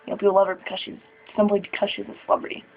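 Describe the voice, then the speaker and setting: A nervous 21-year-old trans man speaking haltingly in a personal vlog, sighing and laughing between thoughts. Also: high voice, completely flat delivery, soft background music. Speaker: vlogger. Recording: tinny phone-like sound.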